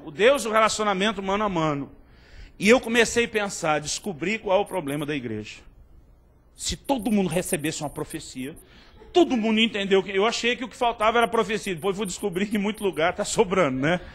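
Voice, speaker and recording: A man's voice: high-pitched, fairly quick. A middle-aged Brazilian man preaching a sermon with a Brazilian Portuguese accent, telling stories with humor and acting out dialogue. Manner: humorous, animated, acts out dialogue. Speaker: pastor. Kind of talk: sermon with storytelling.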